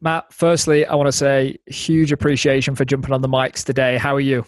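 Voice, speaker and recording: A man's voice: medium pitch, level tone, brisk, slight background noise. A man in his thirties hosting a casual interview podcast, chatty and eager with his questions. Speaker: podcast host.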